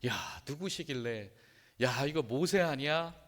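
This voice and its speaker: An excited crowd of ancient townsfolk, as a male preacher puts them on, chattering and exclaiming in a raised, fairly high voice. The voice rings through a hall with a long reverb. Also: measured pace, close to an everyday voice. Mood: amazed.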